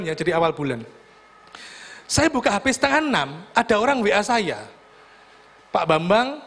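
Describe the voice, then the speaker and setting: A man's voice: high-pitched, pushed and bright. A middle-aged man preaching a sermon, telling humorous personal stories and often calling the congregation "saudaraku". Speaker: pastor. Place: church hall.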